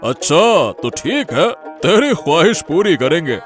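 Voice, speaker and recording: A man's voice: fairly high pitch, very animated, a little slow, soft background music. A man voicing an easygoing, good-natured village husband in a cartoon story who likes to tease. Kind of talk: cartoon voice acting.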